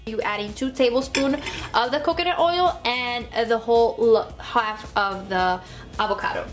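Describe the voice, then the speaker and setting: On the high side and at normal speed, a young woman with a Puerto Rican accent chats through a DIY beauty tutorial in her home studio. The vlogger is playful and giggly, laughing between phrases, while faint music plays in the echoey room.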